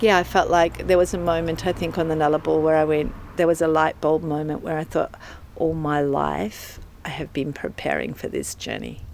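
A woman speaks at a moderate pace with an Australian accent over noticeable background noise. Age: 50s. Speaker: small business owner and long-distance cyclist. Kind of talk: casual interview chat. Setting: outdoors on a front porch.

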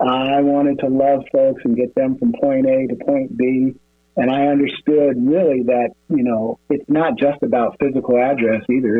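A man with an American accent at medium pitch, moderate pace and fairly even intonation, hardly any pauses and very even loudness, music in the background. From Seattle, Washington. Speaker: transit agency executive. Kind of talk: radio interview. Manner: halting, frequent word repetitions.

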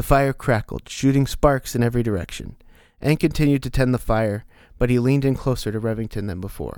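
This natural reading voice moves through ordinary changes in pitch.

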